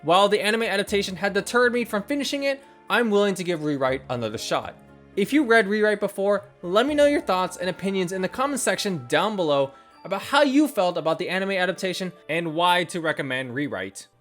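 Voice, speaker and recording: A man hosting a video essay, reading scripted narration in a measured, reflective way over opinions and recollections. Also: sits high, big pitch swings, fairly bright tone. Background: background music.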